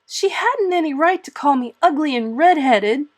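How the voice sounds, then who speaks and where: A woman's voice: high-pitched, lively intonation, moderate pace, pitched above the performer's own voice. A woman voicing a defiant, melodramatic eleven-year-old orphan girl in a storybook reading, pleading emphatically. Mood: indignant, wailing.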